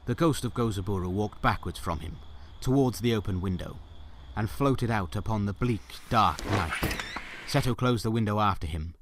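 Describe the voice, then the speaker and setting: A man's voice: lowish voice, normal speed, background noise. A man narrating a scripted story as the narrator of a fan audio drama.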